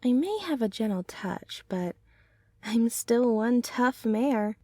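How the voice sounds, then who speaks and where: A woman voicing a gentle, teasing centaur girlfriend in a soothing ASMR roleplay, with breathy murmurs and soft sighs. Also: fairly high pitch, animated, slow, no room sound. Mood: cheerful, chatty. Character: gentle, caring, teasing female centaur girlfriend, hardworking farmer.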